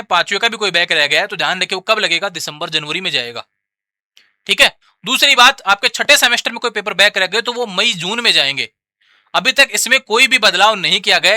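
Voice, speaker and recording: Male host, very bright high voice, dry close mic, casual explainer who repeats himself. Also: dry recording. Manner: repetitive, addresses listeners as brother. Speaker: education channel host. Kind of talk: informal explainer to students.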